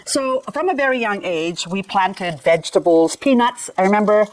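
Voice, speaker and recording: A woman's voice: mid-range voice, animated, moderate pace, low-quality recording. Chatty raised woman repotting succulents. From Philippines. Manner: chatty, playful, self-mocking asides. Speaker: gardening vlogger. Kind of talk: casual chat while repotting plants.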